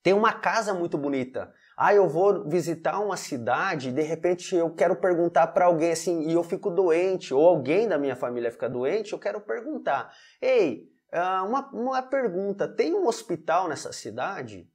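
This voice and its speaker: A Brazilian man teaching English grammar in an online lesson, often checking in with "alright?" and repeating example sentences slowly. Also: high voice, lively intonation, darkish tone, husky. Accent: Brazilian Portuguese.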